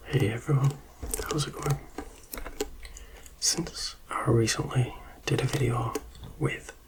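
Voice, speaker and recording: Soft-spoken and at very even loudness, a man talks at a fairly slow pace with long, frequent pauses against noticeable background noise. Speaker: ASMR creator. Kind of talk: ASMR pack opening, casual talk to camera. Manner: soft-spoken, slow.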